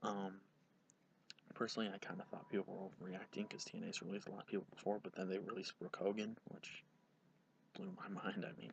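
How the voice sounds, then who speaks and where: A man mumbles quietly at a very fast pace, broken by long, frequent pauses. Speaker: wrestling commentary vlogger. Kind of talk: casual monologue. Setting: outdoors at night. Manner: mumbling.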